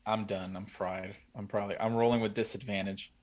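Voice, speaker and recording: A man's voice: fairly low pitch, level tone, brisk, darkish tone. A man in his thirties talking earnestly as a podcast guest, rambling with many restarts. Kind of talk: casual chat.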